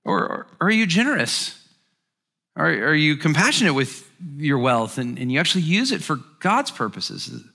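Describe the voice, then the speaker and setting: A man delivers a sermon with an animated, conversational energy, often stumbling over repeated words. His voice sits a little high and sounds bright and forceful. He slips into quoted voices to dramatize his points. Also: normal speed, creaky, long reverb tail. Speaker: pastor. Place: church sanctuary.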